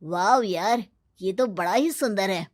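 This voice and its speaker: A woman's voice: medium pitch, measured pace, dry recording, clean studio sound, lightly acted. A woman voicing a jumpy, easily scared young man in a cartoon story, with dramatic exclamations. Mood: amazed.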